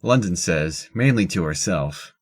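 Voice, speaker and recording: Deep-voiced male story narrator. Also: animated, measured pace, slightly rough. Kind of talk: scripted audio drama narration.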